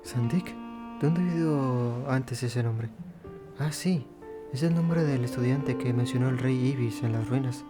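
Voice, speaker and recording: A man's voice: medium pitch, normal speed, music in the background. Male gamer doing casual Spanish-style playthrough commentary. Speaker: gamer, channel host. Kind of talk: casual game commentary and reading dialogue.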